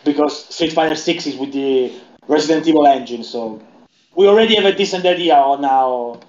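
A man with a slightly raised voice, chatting loosely and often restarting his sentences. His voice carries a clear echo from the room, and the audio sounds dull and lo-fi. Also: a little high, a little fast, darkish tone, a little hiss or hum. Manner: rambling, with frequent restarts. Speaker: podcast co-host. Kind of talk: casual gaming chat.

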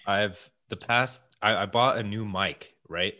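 Deep-voiced man hosting a casual podcast. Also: unhurried, bright, forceful tone. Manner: casual, swears freely, rambling. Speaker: podcast host. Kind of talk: casual chat. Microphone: headset-style headphone mic over video call.

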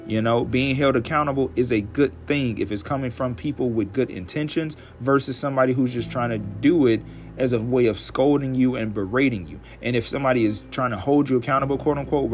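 A hoarse man hosting his own podcast, talking straight to his listeners in a loose, chatty monologue. His speech is blunt and laced with swearing, and he stretches words out for emphasis. Faint music plays under his voice. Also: mid-range voice. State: hoarse, dry throat. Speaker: podcast host. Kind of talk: casual solo podcast monologue.

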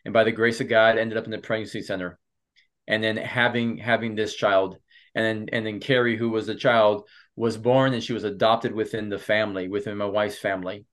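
Earnest pastor telling his story, low voice. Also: level tone, a little fast, fairly bright tone. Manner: earnest, personal storytelling with frequent restarts. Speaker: pastor and marriage coach. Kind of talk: casual interview.

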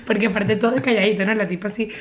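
A young woman from Caracas speaks with the accent of the city. Her voice sits in a middle register. She tells stories in a lively, slangy, chatty way. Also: medium pitch, racing. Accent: Caracas Spanish. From Venezuela. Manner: animated storyteller full of slang. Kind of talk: casual chat.

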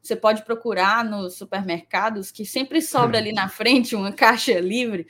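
A woman's voice: medium pitch, normal speed, a crowd in the background. A woman co-hosting a live sports stream, chatty and playful, reading viewer comments aloud. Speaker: podcast co-host. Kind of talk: casual live-stream chat.

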